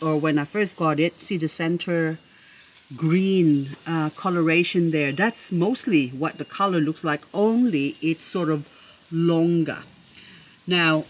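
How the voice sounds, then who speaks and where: In a relaxed show-and-tell vlog about her succulents, a woman with a somewhat low voice takes her time, drawing out her words as she chats, gushes and admires. Teasing herself playfully, she's captured on a low-quality recording with faint noise in the background.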